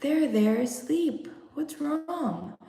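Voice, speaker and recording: A woman voicing a soothing Martian spouse who gently reassures a frightened sleeper in a story reading. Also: high-pitched, animated, extremely slow, creaky, voice pushed up, exaggerated voice. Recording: roomy, echoing room sound.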